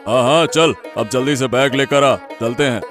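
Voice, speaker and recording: A man's voice: mid-range voice, normal speed, over music, natural voice. A man voicing an easygoing, good-natured village husband in a cartoon story who likes to tease. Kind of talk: cartoon voice acting.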